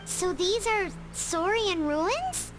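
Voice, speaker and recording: A woman voicing a small, childlike fairy companion in a video game, squeaky and curious, talking of herself in the third person. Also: sing-song, very slow, full character voice, poor audio. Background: loud game music.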